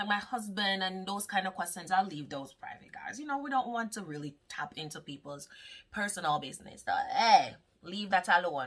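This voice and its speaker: A woman with a Jamaican accent, medium pitch, lively intonation, and a moderate pace. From Jamaica, Montego Bay. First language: Jamaican Patois. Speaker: mental health therapist, vlogger. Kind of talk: casual vlog Q&A.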